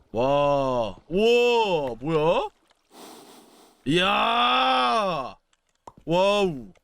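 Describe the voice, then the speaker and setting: Young male gaming commentator, high voice, very animated delivery, playful and chatty. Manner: playful, chatty, exclaims and chants while playing. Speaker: gaming YouTuber. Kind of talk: casual game commentary.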